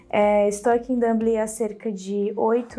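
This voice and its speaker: A woman speaks in a fairly high pitch. Her tone is dark and mellow. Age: 30s. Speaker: tech recruiter. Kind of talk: interview testimony.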